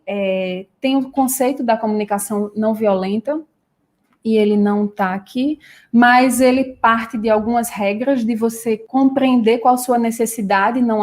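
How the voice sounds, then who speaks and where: A woman with a Brazilian Portuguese accent, a psychoanalyst calmly explaining ideas with everyday examples in a live talk. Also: a little high.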